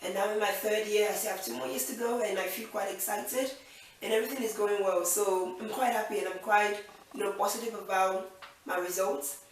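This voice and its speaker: A woman's voice: medium pitch, steady tone, fairly quick, far from the mic, a little hiss or hum. Chatty young woman in an echoey room. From Nigeria. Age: 20s. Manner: chatty and upbeat, thinks aloud with fillers. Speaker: channel host. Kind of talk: casual Q&A vlog.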